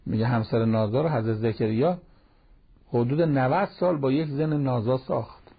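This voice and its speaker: A man's voice: mid-range voice, slightly rough. A man giving a conversational sermon on Quran verses in speech, quoting Arabic verses now and then. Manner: plain conversational preaching, quotes Arabic verses. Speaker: cleric giving a Quran commentary talk. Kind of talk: sermon-style Quran commentary. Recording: dull lo-fi broadcast recording.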